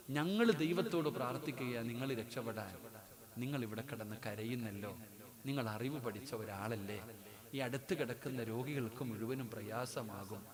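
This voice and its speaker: Preacher as a patient male doctor, soft and lower, crowd audible behind. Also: close to an everyday voice. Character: calm, patient male hospital doctor pleading.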